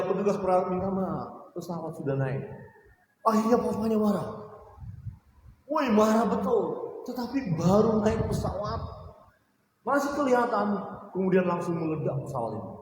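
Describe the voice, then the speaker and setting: A man's voice: high-pitched, a little mellow, a little hiss or hum. A male pastor preaching a sermon emphatically, asking rhetorical questions. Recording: very echoey hall with long reverb.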